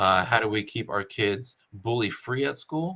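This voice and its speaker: Here a man speaks with a Californian accent. His tone is bright and sharp. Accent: Californian American English. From California Central Valley (San Joaquin County). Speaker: educator running for school superintendent. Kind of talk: interview. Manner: fast.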